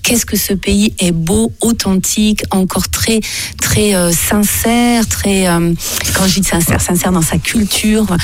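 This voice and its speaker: A woman's voice: mid-range voice, fairly even intonation, unhurried, no echo, faint music behind. A woman singer with Portuguese as her first language, talking earnestly and from the heart in an interview about her life. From France. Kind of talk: personal interview conversation.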